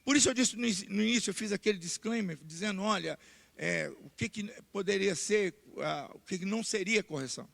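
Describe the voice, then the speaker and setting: A man with a Brazilian Portuguese accent preaching a sermon in church, repeating key points and building to loud emphatic declarations. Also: high voice, a little fast, gravelly. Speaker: pastor. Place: church sanctuary. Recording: long church hall reverb.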